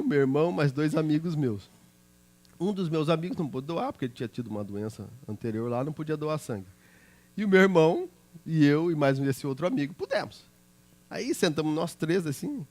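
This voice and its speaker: A man's voice: fairly high pitch, a little mellow. A middle-aged man, a pastor preaching a sermon through chatty personal stories and often checking in with his listeners.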